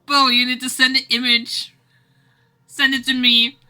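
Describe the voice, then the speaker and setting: Bright, high-voiced woman chatting on stream. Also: normal speed. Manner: giggly, rambling, animated teasing. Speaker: streamer drawing game art live. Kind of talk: casual livestream chat with viewers.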